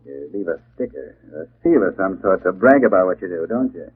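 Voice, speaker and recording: An actor playing a tough, wary black-market racketeer with gruff gangster talk, in 1940s radio style. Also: male voice, low voice, animated, a little fast, heavily acted. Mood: wary, grudging. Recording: noisy, tinny 1940s radio recording.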